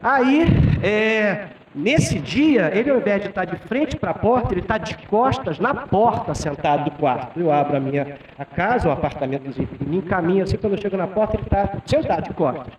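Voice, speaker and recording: A Brazilian man in his fifties gives a lecture, telling a personal story conversationally and often ending sentences with a questioning "né?". His voice is high, lively in intonation, and fairly quick, captured from far off in an echoey hall with faint noise.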